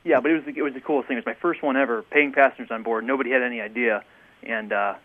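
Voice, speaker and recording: A man's voice: medium pitch, steady tone, rapid-fire. A man calling in to a talk show, an airline pilot who talks casually and hesitantly, with many ums and restarts, over a telephone. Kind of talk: casual call-in chat. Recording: tinny phone line.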